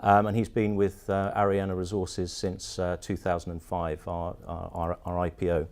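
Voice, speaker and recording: A British man speaks in a fairly low voice as he presents his company to investors. He talks like a managing director working through a presentation, with halting phrasing and frequent filler pauses. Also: completely flat delivery, darkish tone. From partly Turkey, mostly the UK.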